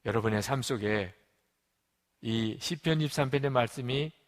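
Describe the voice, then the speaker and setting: Pastor preaching in a reverberant church. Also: male voice, mid-range voice, moderate pace. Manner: storytelling with acted quotes, swings between loud and hushed. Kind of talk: sermon. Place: church sanctuary.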